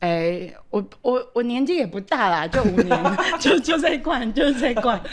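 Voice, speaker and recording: A woman speaks with a high pitch and very wide pitch swings. Light background noise sits under her voice. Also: moderate pace. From Taiwan. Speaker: singer-songwriter. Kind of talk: interview answer. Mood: relaxed, laughing. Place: studio. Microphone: studio mic.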